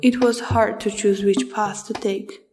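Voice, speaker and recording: A young woman from Afghanistan, a student, narrating her own story in a slow, measured and heartfelt way. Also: medium pitch, steady tone, darkish tone, faint music behind. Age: young adult. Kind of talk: reflective personal narration.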